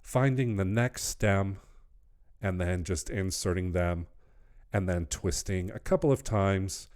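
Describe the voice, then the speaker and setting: Man, middle-aged, craft tutorial host, upbeat instructions, fairly low voice. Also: slow, darkish tone. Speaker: wreath-making channel host.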